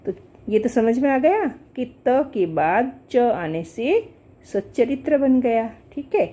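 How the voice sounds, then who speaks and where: A woman's voice: a little high, very animated, slow, warm tone. A woman teaching a grammar lesson, explaining step by step and checking in often with "thik hai". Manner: patient, repetitive explaining with frequent "thik hai". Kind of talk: classroom lesson at a board. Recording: dull lo-fi sound.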